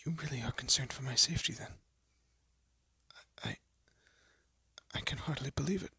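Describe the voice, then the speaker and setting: A man playing a haughty but secretly soft young elf prince in a scripted roleplay audio drama, with a pompous, formal manner and a breathy, often hushed voice. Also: medium pitch, moderate pace, no room sound, heavily acted. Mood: flustered, moved. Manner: pompous, formal, flustered stammering.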